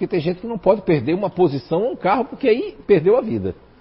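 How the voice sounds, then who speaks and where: A man talking at a very fast pace. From Blumenau, Santa Catarina, Brazil. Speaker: spiritist lecturer. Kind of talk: lecture with audience Q&A. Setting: live in-person event with online audience.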